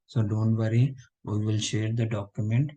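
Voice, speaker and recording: A man's voice: fairly low pitch, level tone, normal speed, dark tone, highs cut off. A man teaching a live online class, feeling unwell and checking in with students often. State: unwell, low voice. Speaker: instructor.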